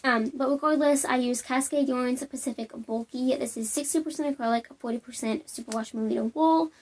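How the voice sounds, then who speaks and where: A woman's voice: high voice, brisk. A young woman from Alabama, sniffly from a cold, chatting upbeat about her knitting with lots of ums and likes. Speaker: knitting podcast host. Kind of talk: casual show-and-tell vlog.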